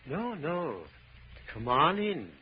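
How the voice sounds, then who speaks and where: An actor playing a wheedling, murderous crook with an oily, theatrical delivery in a 1940s radio crime drama. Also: male voice, fairly high pitch, very animated, slow. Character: wheedling, sly, murderous double-crossing male crook. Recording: muffled, noisy old radio recording.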